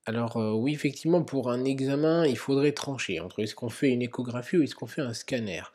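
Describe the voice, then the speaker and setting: Man talking through a medical quiz, husky. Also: mid-range voice, brisk, a little mellow. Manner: explanatory, thinking aloud with many fillers. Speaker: medical educator. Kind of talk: narrated quiz lesson.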